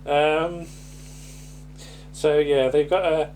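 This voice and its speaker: A man's voice: on the high side, flat delivery, drawn-out words, a little mellow, a little hiss or hum. A man chatting casually as a co-host recapping a comedy, hesitant and meandering, often repeating words and tailing off. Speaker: podcast co-host.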